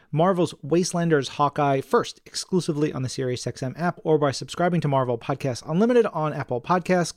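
Male podcast co-host, lighter higher-set voice, dry studio-like sound, conversational presenting. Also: a little mellow, no echo.

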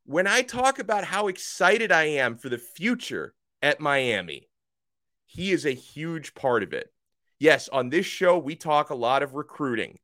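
A man hosting a college football podcast, slightly hoarse, talking with emphatic energy that rises toward near shouts. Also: a little high, very animated, a little slow, dry recording, studio quality. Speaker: sports podcast host. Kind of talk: college football talk with ad read. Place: radio studio.

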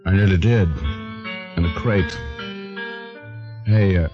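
An actor playing a wisecracking, hard-boiled private eye who also narrates, in a 1940s-style radio drama. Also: male voice, low voice, steady tone, slow, lo-fi sound. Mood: wry. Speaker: private detective. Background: music score.

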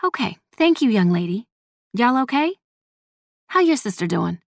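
A woman's voice: a little high, big pitch swings, moderate pace, vocal fry, no echo, pitched above the performer's own voice, heavily acted. Stern, salty grandmother in an audiobook, elderly and protective, scolds bluntly, dry studio sound female reader performs her. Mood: blunt concern.

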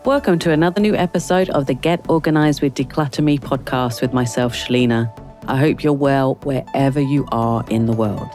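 Croaky low-voiced woman podcast host. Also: a little fast, a little mellow, soft background music. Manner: chatty, rambling with fillers and restarts. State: croaky from a cold. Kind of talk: casual solo podcast talk.

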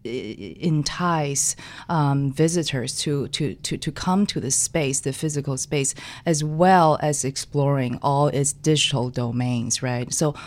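A woman from Taiwan talks in a low voice, halting and full of fillers, circling back to restart her thoughts. She is a guest in a relaxed studio interview. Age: young adult. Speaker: guest designer. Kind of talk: casual interview talk.

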